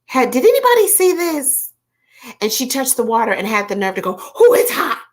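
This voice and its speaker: Southern woman hosting a chatty livestream, expressive delivery with a wide pitch range, animated storyteller. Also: fairly quick. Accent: Southern American. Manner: animated storyteller, talks straight to viewers, frequent fillers. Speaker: livestream host chatting with viewers. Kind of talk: casual chat.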